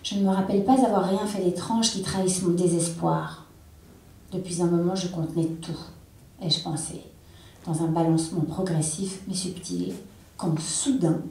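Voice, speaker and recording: A woman reads a literary text aloud in an intense, measured way, her voice low and dark. She is heard from a distance on a theatre stage, and the room gives a strong, ringing echo. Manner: intense, measured dramatic reading. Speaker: reader. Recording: echoey hall, distant mic.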